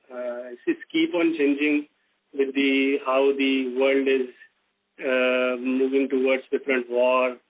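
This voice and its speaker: A company executive speaks in a measured, hesitant way, with plenty of uhs as he answers analysts. His voice is pitched in the middle for a man. It comes through a thin, tinny phone line. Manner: measured, hesitant with many fillers. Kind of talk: earnings call answers.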